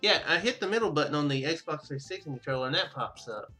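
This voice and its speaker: A man's voice: a little high, lively intonation, fast, sharp tone, faint music behind. A man giving casual let's play commentary as host of a gaming video, rambling and thinking aloud.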